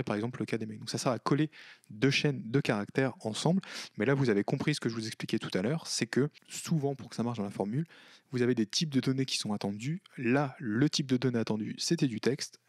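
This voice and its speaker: A man hosting a casual screen-recorded software tutorial, chatty, with many fillers and self-corrections. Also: medium pitch, dry recording, clean studio sound. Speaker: tutorial host.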